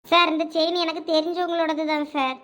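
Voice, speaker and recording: Figure: a voice actor doing a squeaky nervous college girl. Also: flat delivery, fairly quick, a bit bright. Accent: Thoothukudi Tamil. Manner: pleading, nervous. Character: anxious teenage college girl. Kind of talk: cartoon voice acting.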